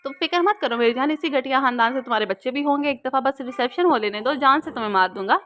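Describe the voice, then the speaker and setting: Cocky young man, smug and taunting, read by a woman narrator, brisk delivery. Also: high-pitched, a bit bright, a little hiss or hum.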